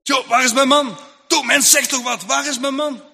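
A man's voice: high-pitched, expressive, unhurried, pushed and bright, full character voice. A man doing an anxious farm mother. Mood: urgent. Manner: urgent, imploring. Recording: long hall reverb.

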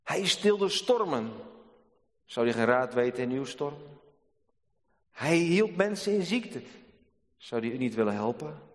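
A male pastor preaching a sermon in a church, earnest and measured, with dramatic pauses. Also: mid-range voice, very animated. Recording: long church reverb.

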